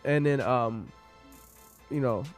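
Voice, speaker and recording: A man's voice: mid-range voice, takes it slowly, faint music behind. A young man chatting as a guest, retelling events by quoting himself and laughing often. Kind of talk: casual interview chat.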